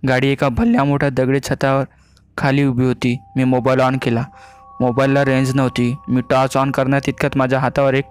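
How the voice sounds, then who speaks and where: Male storyteller, flat even horror narration, light music underneath. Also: medium pitch, brisk. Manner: even, steady storytelling delivery. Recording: faint music behind the voice.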